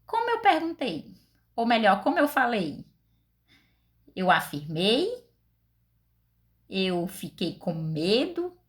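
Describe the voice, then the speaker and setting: A woman teacher with a Brazilian Portuguese accent speaks slowly and deliberately, her pitch rising and falling widely. She walks her pupils through each step and keeps asking them questions. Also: sing-song. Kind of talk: recorded class lesson.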